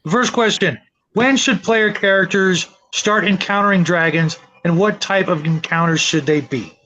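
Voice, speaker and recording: Man, high-pitched voice, host, halting, casual moderating. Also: bright, forceful tone, low-quality recording.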